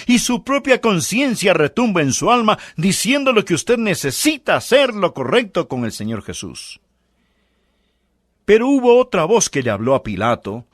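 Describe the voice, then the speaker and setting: Lively emphatic male preacher. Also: a little high, dry recording, clean studio sound. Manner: emphatic rhetorical questioning. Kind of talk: sermon.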